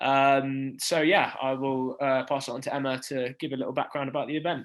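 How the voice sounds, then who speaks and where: A man speaks with a Welsh accent in a fairly high pitch. His pace is fairly quick and his intonation monotone and flat. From Wales. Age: 20s. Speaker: event co-host. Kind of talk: casual event hosting. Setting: video call.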